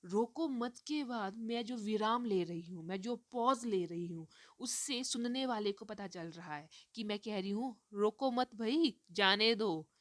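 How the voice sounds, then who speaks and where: A woman teacher giving a recorded lecture on teaching reading. She explains step by step, mixes English terms into her sentences and fills pauses with "uh". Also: medium pitch, dry recording, clean studio sound.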